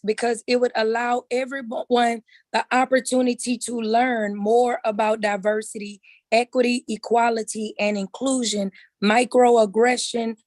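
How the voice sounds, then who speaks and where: Council member, female, hoarse and raspy, slightly high voice, earnest measured delivery with fillers, dry home video-call sound. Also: a little mellow, no echo. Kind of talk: virtual meeting comment. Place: living room with high ceiling at home.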